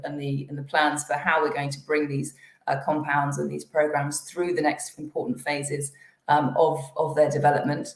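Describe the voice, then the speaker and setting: A woman with a notably low voice talks investors through company results, pausing often with fillers and restarts. She sounds a little hoarse, as if losing her voice. The sound is roomy and echoey, like a video call from an untreated room. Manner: hesitant, many fillers and restarts. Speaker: company executive presenting to investors. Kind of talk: investor presentation and Q&A.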